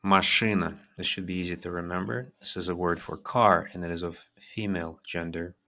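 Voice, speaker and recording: A man teaching a vocabulary lesson, repeating each word twice in a slow, patient way. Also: sits low, steady tone, creaky, pushed and bright. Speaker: language teacher.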